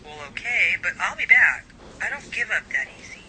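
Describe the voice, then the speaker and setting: Guy doing a pushy lady reporter in a radio play, high sharp voice, wry and pointed, slight noise. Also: big pitch swings, normal speed, full character voice, poor audio. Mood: pressing. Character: persistent, sharp female news reporter. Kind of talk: radio drama acting.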